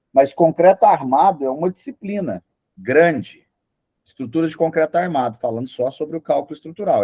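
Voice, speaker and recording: A man talks at a fairly quick pace. His voice sits fairly high and his intonation is lively. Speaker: professor. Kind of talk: online lecture with Q&A. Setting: video call class with chat.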